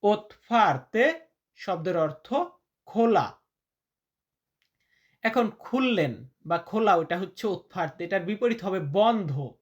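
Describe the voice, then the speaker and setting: A man teaching vocabulary in a lesson, repeating each word slowly and deliberately, chatty and calling his listeners brother. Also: high-pitched, expressive, dull audio. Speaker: language teacher.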